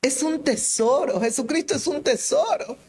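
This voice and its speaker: A woman evangelist preaching a sermon with fervent, drawn-out phrasing that rises to near-shouts and tearful cries. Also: sits high, animated. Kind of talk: impassioned radio sermon.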